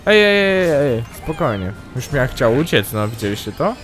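A young man commentating his own gameplay, excitable and yelping loudly whenever something goes wrong. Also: mid-range voice, moderate pace, soft background music. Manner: excitable, yelps and shrieks at mishaps. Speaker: gaming YouTuber. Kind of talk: let's play commentary.

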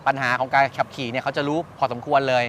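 A man presents a casual review in a medium-pitched voice. He explains points step by step and repeats answers to confirm them. Light outdoor traffic noise sits behind his talk. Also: flat delivery, quick pace, fairly bright tone. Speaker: host, motorcycle reviewer. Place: at a shop beside traffic.

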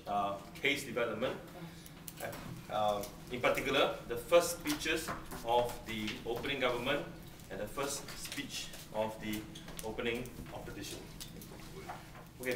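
A middle-aged man teaches a debate class in a large brick seminar room, brisk and teasing, hammering his points home. He is caught by a distant camera, so his voice sounds roomy and set back, with steady room noise behind him. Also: medium pitch. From Singapore. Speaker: debate lecturer. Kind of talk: classroom lecture with questions. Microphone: far camera, no close mic.

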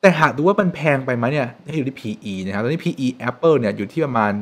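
Young male host, brisk and animated to camera, at home on a desk mic. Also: mid-range voice. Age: young adult. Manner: animated, chatty, frequent polite particles. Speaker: finance channel host. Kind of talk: casual explainer talk to camera. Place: home room with shelves, indoors.

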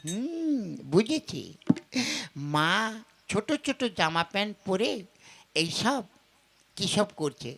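A woman's voice: mid-range voice, sing-song, takes it slowly, long pauses. A woman voicing a mischievous, greedy young village boy who mutters cheekily to himself in a puppet-show comedy. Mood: scheming.

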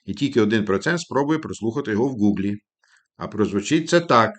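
A man teaching a language lesson, slowing right down to model English phrases and playfully calling his listeners kids. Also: lowish voice, lively intonation. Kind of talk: instructional monologue.

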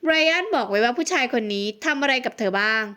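Woman narrator, high-pitched, steady, expressive, romance audiobook. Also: fast talker, clean tone. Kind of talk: scripted narration.

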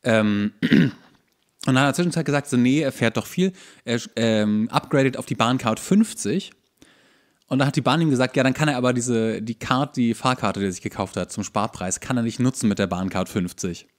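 A man's voice: medium pitch, fairly quick. A man hosting a podcast, explaining and ranting in a casual, colloquial way. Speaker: podcast host.

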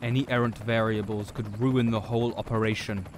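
Smug male villain mastermind played by a man, cold, sneering, unhurried theatrical delivery for audio roleplay, noisy background. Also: fairly low pitch, level tone, natural voice. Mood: irritated, commanding. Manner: slow, sneering, theatrical monologue.

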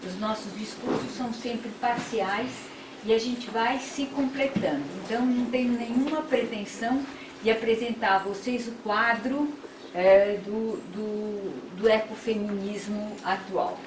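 An older woman from Brazil with a Brazilian Portuguese accent, giving an academic lecture in a seminar room in slow, measured, reflective phrasing. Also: on the high side, far from the mic. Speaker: guest lecturer. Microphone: far room camera. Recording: echoey room from afar, background noise.

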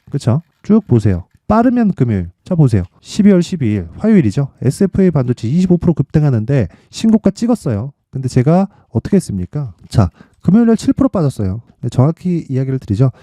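A man hosting an informal stock market commentary, emphatic and full of rhetorical questions and tag questions as he pitches his picks. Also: dark tone, no room sound. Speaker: stock trading channel host.

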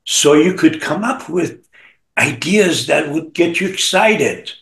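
A man's voice: a little high, lively intonation, slow, creaky, fairly bright tone. A man in his seventies teaching art informally and encouragingly on a video call. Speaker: art teacher hosting an online gathering. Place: living room at home, on a video call. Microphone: computer mic on a video call. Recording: roomy video-call sound.

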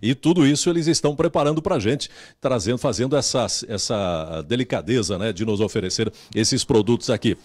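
A middle-aged man with a Brazilian Portuguese accent hosts a live TV cooking segment in a home kitchen. He talks into a handheld mic in an upbeat, exclaiming way and keeps repeating words. His voice sits at a middle pitch and the sound is dry and close. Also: brisk, darkish tone, no room sound. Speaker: TV reporter.

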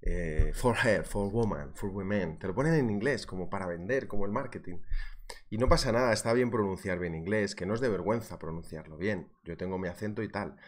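A man runs a live trading lesson, his voice on the low side. He jokes easily, reads viewer messages aloud and keeps a chatty, informal teaching manner. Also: a little fast. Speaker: trading instructor.

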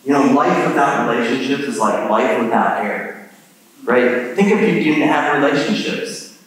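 A man, a neuropsychologist, giving a relaxed and self-deprecating talk at a church service, laughing at his own stories. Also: mid-range voice, measured pace. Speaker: guest speaker, neuropsychologist. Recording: echoey church from far off.

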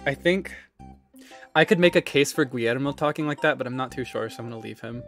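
A woman hosting a casual game stream, playful and quick to laugh. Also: rumbling low, soft background music. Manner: playful, laughs often, mimics voices. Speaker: streamer host.

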